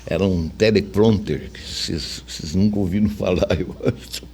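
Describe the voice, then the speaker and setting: A man's voice: sits low, moderate pace, dark tone, slightly rough. An older man with a Brazilian accent, telling anecdotes casually and colloquially as an interview guest. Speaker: interview guest, veteran radio journalist.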